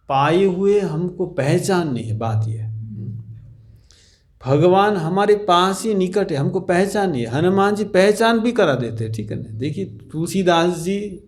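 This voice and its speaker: Man giving a gentle storytelling sermon. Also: a little high. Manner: gentle storytelling, often asks listeners "ठीक है ना?" with soft laughs. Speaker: monk giving a religious discourse.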